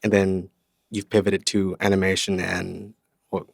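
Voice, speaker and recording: A man with a lowish voice hosts an interview podcast. He talks in a relaxed, chatty way, with small fillers and restarts. The sound is dry and close. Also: a little slow, gravelly, dry recording. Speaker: podcast host. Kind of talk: casual interview.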